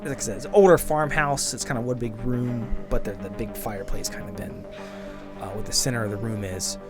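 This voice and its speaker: A man narrating a tabletop game as game master in an informal, halting, self-deprecating way, improvising as he goes. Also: on the low side, steady tone. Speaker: game master and podcast host. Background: background music.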